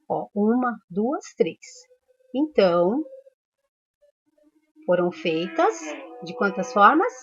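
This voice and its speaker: A woman's voice: medium pitch, fairly bright tone, husky. Patient Brazilian teacher woman, lo-fi sound. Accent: Brazilian Portuguese. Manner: patient, explaining step by step with frequent checks like "tá?". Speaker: primary school teacher. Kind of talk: recorded class lesson.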